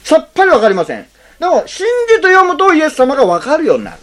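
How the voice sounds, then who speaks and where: Lively conversational preacher with a swooping voice. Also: high-pitched, racing. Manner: conversational, poses rhetorical questions to the congregation; acts out short spoken lines in changing tones. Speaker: pastor. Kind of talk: sermon.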